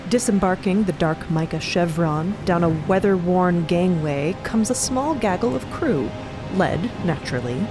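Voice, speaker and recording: A woman's voice: on the low side, expressive, measured pace, music in the background. A woman co-narrating a fantasy audio drama in a dramatic, scripted style.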